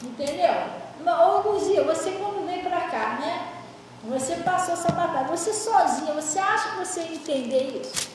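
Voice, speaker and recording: High-voiced woman pastor, animated. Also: moderate pace, noisy background. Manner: animated, laughing storyteller, acting out quotes. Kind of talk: storytelling sermon. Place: church. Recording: echoey church hall, mic far off.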